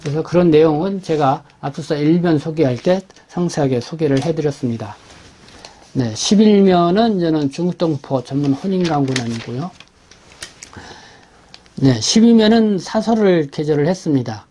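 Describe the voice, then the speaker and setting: A man with a fairly high-pitched but soft, mellow voice presents a community news briefing. He explains each item in a semi-scripted way, halting and correcting himself as he goes. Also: animated, breathy edge. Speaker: host presenting a community newspaper's issue.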